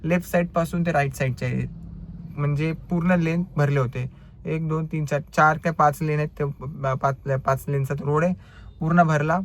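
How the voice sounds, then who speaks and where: Young male driver vlogger, Marathi accent, somewhat high voice, animated casual storytelling that acts out quoted customers. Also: normal speed, a little hiss or hum. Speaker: ride-hailing driver vlogger.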